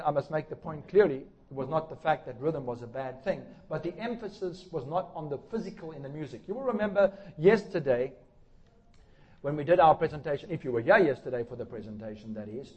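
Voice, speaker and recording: A man lecturing from the pulpit in an earnest, measured way, leaning on key words for emphasis. His voice sits a little higher than most men's. The recording is dull and lo-fi. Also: darkish tone. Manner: measured, emphatic, reads scripture aloud. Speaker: lecturer on worship music. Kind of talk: sermon lecture.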